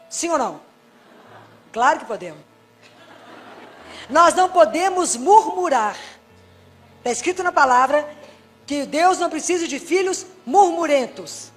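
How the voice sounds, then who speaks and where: A Brazilian woman, a Catholic preacher with a Brazilian Portuguese accent and a high-sitting voice, gives a lively sermon to a live congregation, packed with rhetorical questions for her listeners.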